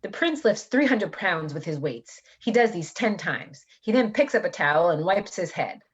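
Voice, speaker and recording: A woman's voice: lowish voice, big pitch swings, normal speed, slightly rough, lo-fi sound. A woman narrating stage directions from a script in an amateur staged reading.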